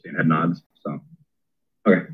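Husky low-voiced man chairing a meeting. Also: level tone, a little slow. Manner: conversational, thinks aloud with fillers. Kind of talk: meeting discussion. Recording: thin phone-like meeting audio.

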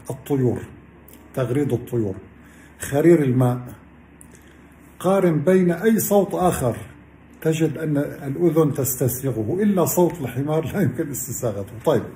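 A man giving an earnest religious lesson, explaining a verse and speaking warmly to his listeners as beloved ones. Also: on the high side, roomy sound, a little hiss or hum. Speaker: Islamic science lecturer.

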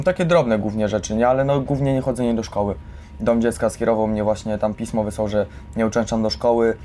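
A young man speaks in a lowish, flat voice with little lift. He rambles informally through his own story, tagging phrases with small questions, over faint noise. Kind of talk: casual personal account. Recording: some steady background noise.

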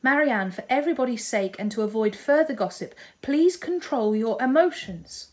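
A woman voicing a composed, sensible older sister who speaks calmly and with gentle firmness. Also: medium pitch, brisk, natural voice. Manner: calm, restrained, gently firm. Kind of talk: audiobook character reading.

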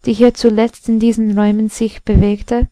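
A woman's voice: fairly high pitch, flat delivery, moderate pace, mellow, dry recording, lightly acted. A woman voicing an eager, curious chest of drawers in a storybook reading.

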